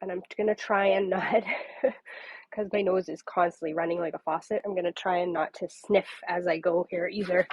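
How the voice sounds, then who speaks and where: A woman's voice: fairly low pitch, steady tone, normal speed, a little mellow, slightly rough, no room sound, highs cut off. A woman with a cold and a nasal voice, chatting casually on a papercrafting livestream and greeting viewers by name. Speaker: papercrafting demonstrator. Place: home craft table.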